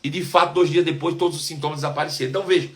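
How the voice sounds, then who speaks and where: A man with a Brazilian Portuguese accent, a pastor preaching a sermon and telling a personal testimony with emotive swings between hushed and loud delivery. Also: a little high, fairly even intonation, rapid-fire.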